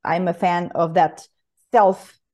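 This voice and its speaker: A woman's voice: on the low side, steady tone, slow, a little mellow, dull audio. Enthusiastic woman podcast host. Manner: enthusiastic, laughs often while talking. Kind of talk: conversational podcast interview.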